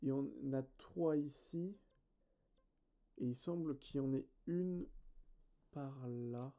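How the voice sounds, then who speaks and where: A man with a very dark, mellow voice chats through a let's play session. He thinks out loud, trails off and corrects himself, and talks straight to his viewers in a casual tone. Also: medium pitch, takes it slowly. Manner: thinks aloud, hesitant and self-correcting; chatty, addresses viewers directly. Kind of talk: casual gameplay commentary.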